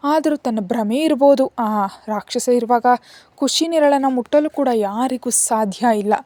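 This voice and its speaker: A woman narrating a spoken story in a calm, even storytelling manner. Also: on the high side, unhurried, no echo.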